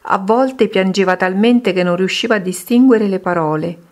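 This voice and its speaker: A woman reading a Christian devotional book aloud in a steady, measured way. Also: medium pitch. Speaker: reader.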